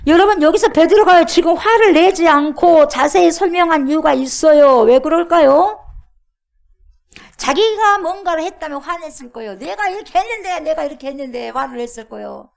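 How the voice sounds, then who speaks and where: A woman pastor preaching a sermon, questioning the congregation and acting out quoted lines with loud exclamations. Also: extremely high pitch, moderate pace, gravelly.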